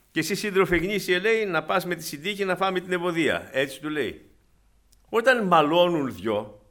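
A man preaching a sermon, swinging between loud exhortation and soft, low asides as he retells anecdotes to his congregation.

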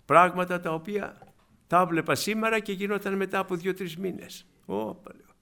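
A preacher with a high-pitched, ringing voice. He talks to the congregation with great fervour and calls them beloved brothers over and over. His laughter comes easily as he tells stories about his own past. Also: fairly even intonation, creaky, sharp tone. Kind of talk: sermon.

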